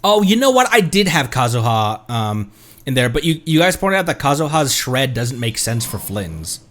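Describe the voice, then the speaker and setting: A man's voice: medium pitch, big pitch swings, normal speed, fairly bright tone. A man streaming a game, rambling casually and thinking aloud to his viewers. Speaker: streamer, VTuber host. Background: music.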